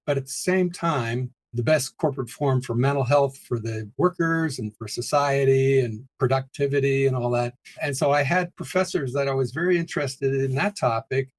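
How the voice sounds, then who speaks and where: An older man from the Pittsburgh area of the United States is a guest in a conversational interview, heard on poor audio. His voice is medium-pitched, his speed normal with few pauses, and he speaks reflectively, chuckling often between points.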